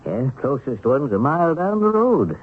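An actor with an American accent playing a wily, folksy seventy-six-year-old heist mastermind in a radio drama, coaxing and confiding. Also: male voice, medium pitch, sing-song, normal speed, a little hiss or hum, close to an everyday voice. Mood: folksy welcome. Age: older. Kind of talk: 1970s radio drama acting. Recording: muffled phone-like old radio broadcast.

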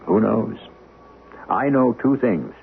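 A man hosting a radio mystery series with theatrical scripted narration, wry and philosophical in his deliberate phrasing. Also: medium pitch, sing-song, creaky, a little hiss or hum. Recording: tinny radio broadcast with music.

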